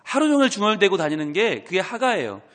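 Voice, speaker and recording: A man's voice: high-pitched, sing-song, fast talker, a bit bright, long reverb tail. A male pastor giving an early-morning prayer sermon, earnest and full of rhetorical questions, breaking into acted-out prayers. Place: church sanctuary.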